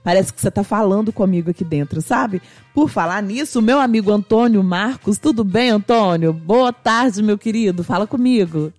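A woman's voice: mid-range voice, moderate pace, darkish tone, faint music behind. A woman, hosting a radio call-in show with chatty, affectionate talk. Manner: chatty and affectionate, addresses listeners as "gente". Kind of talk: casual radio chat.

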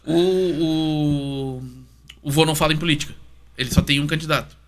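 A man's voice: on the high side, fairly even intonation, normal speed. A man, chatting casually and easily as an interview guest. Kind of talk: casual chat.

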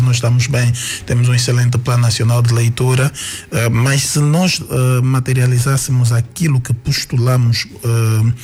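A man, a radio guest answering questions thoughtfully with many pauses, fillers and restarts. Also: medium pitch, a little mellow. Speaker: guest writer.

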